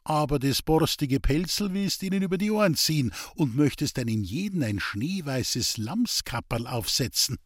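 A man voicing a patient, fatherly village priest in Bavarian dialect, in an audiobook, with a husky voice. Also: on the high side, expressive, moderate pace, few pauses, no echo, studio quality, voice pushed up. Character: kindly, gently teasing older village priest.

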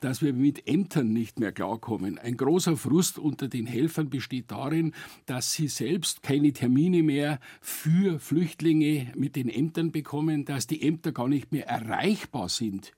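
Brief: middle-aged male volunteer, raspy and dark-toned, plain-spoken critic, dry close mic. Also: mid-range voice, a little slow, no echo. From Germany. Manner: blunt and critical, stumbles and corrects himself. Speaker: longtime refugee volunteer, studio guest. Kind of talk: studio radio discussion. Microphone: studio microphone.

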